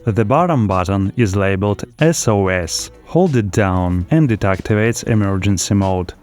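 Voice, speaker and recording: A man's voice: on the low side, lively intonation, moderate pace, over music. A man reading scripted voice-over narration as a product reviewer. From lives in Spain.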